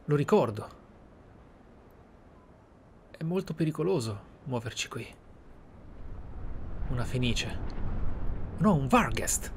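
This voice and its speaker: Male gamer, mid-pitched, narrates in character, pensive and dramatic with murmured asides, noisy game background. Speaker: video game player and narrator. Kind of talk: roleplay let's play commentary, in-character musing and reading aloud. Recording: clear background noise, game ambience. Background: video game ambience.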